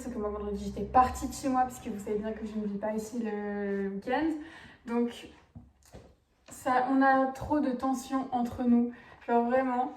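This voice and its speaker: A woman's voice: fairly high pitch, darkish tone, echoey room, distant mic, a little hiss or hum, poor audio. A woman booktuber chatting casually to camera, bubbly and gushing, dropping English slang into her talk.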